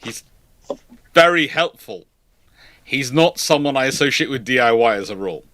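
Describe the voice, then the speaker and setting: A man hosts a casual live panel, thinking aloud as he goes. His voice is very bright and sits in a dry space with little room sound. He rambles conversationally from point to point. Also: medium pitch, expressive, moderate pace, dry recording. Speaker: host of a live question-and-answer stream.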